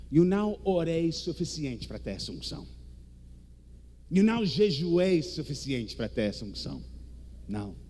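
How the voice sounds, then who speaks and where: Man, English-speaking foreign accent, theatrical preacher, slow delivery, widely swinging pitch, halting grammar. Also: darkish tone, a little hiss or hum. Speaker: guest preacher. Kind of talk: charismatic sermon in Portuguese as a second language.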